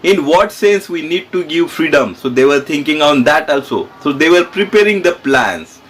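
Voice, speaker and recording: A male schoolteacher with an Indian accent speaks in a fairly high voice. He explains his lesson to students directly, repeating key phrases and putting questions to them as he goes. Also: animated, moderate pace, a bit bright, slightly rough. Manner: repetitive, asks questions and checks in with students. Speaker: school history teacher.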